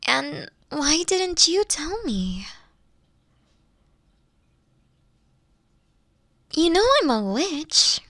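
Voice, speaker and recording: A woman playing a caring, teasing witch girlfriend in a soft, close ASMR roleplay, tender and coaxing, often dropping into breathy whispers. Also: sits high, no echo, heavily acted. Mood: hurt, scolding. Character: caring, teasing young witch girlfriend soothing her lover. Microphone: close microphone.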